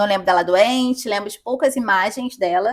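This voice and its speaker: A woman speaks at a moderate pace. She has a strong Rio de Janeiro accent. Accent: strong carioca. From Rio de Janeiro, Brazil. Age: 40s. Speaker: homeschooling mother. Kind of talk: testimony in casual interview.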